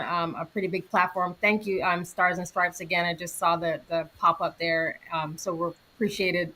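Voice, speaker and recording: Bright, upbeat woman moderator. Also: medium pitch, low-quality recording. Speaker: panel moderator. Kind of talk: live panel hosting.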